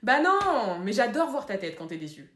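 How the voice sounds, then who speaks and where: A woman's voice: fairly high pitch, sing-song, normal speed, fairly bright tone, echoey room. Woman playing a smug mocking demon. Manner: mocking, dismissive.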